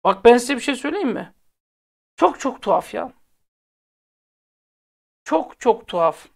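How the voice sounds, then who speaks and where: A man's voice: extremely high pitch, big pitch swings, a little slow, creaky. A man hosting a football fan channel, ranting casually to viewers in a blunt, exasperated way and repeating phrases for emphasis. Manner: speaks directly to viewers, blunt and heated.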